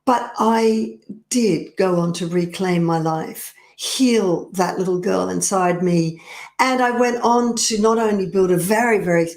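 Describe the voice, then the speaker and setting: A middle-aged woman coaches the listener in a slow, deliberate, confiding way, speaking as if face to face. Her voice sits at an ordinary pitch for a woman. The room around her rings with a noticeable echo. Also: darkish tone. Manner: slow, earnest and confiding, addressing the viewer directly. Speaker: personal power coach. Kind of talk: direct-to-camera coaching talk. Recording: roomy echo.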